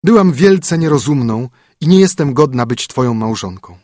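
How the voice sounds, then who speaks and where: A man's voice: mid-range voice, lively intonation, moderate pace, warm tone, dry recording, studio quality, voice pushed up, close to an everyday voice. A man voicing a proud young princess fallen into poverty, in a storybook reading. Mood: contrite. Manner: haughty, then plaintive.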